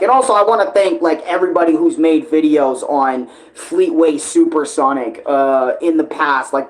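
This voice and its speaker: A man's voice: fairly high pitch, poor audio. Young guy doing a casual fan vlog, rambles a lot, hesitates, swears freely. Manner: informal, sweary, hesitant and digressive. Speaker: online video creator.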